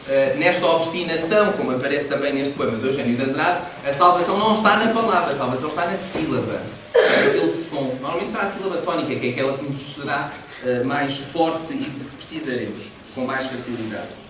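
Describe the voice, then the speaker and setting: A man teaching a poetry class, explaining with animation and frequent laughs. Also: medium pitch. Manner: lively, explanatory, laughs often. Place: large echoey library hall. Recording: echoey hall, distant mic, noisy.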